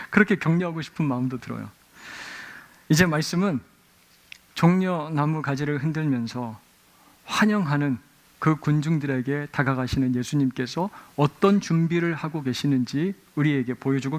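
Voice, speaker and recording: A middle-aged male pastor delivers a Sunday sermon with a voice that sits a little higher than most men's. He tells stories with energy, bursting into acted-out shouts and quoted lines as he preaches in a church sanctuary. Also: moderate pace. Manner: animated storytelling with acted-out exclamations.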